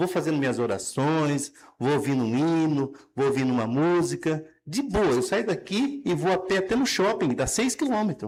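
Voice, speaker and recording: A man's fairly high pitch moves in very wide swings. The recording is very clean, with a silent background. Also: moderate pace. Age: 60s. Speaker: podcast host, retired health worker. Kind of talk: casual chat. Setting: outdoors on the street. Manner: halting.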